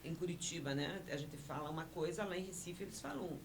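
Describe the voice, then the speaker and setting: A woman whose first language is Spanish, explaining things in a measured way as a guest on a radio interview. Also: low-pitched, noisy background. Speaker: interview guest, honorary consul.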